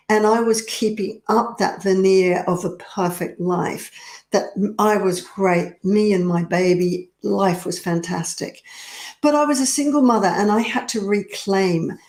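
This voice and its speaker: A woman's voice: medium pitch, a little mellow. A middle-aged woman, a personal power coach, speaking earnestly and confidingly straight to the viewer. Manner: slow, earnest and confiding, addressing the viewer directly. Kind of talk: direct-to-camera coaching talk. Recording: roomy echo.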